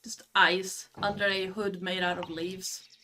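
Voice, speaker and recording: A woman's voice: mid-range voice, flat delivery, unhurried, bright, forceful tone, a little hiss or hum. A woman narrating as game master in a tabletop game, speaking hesitantly with many fillers.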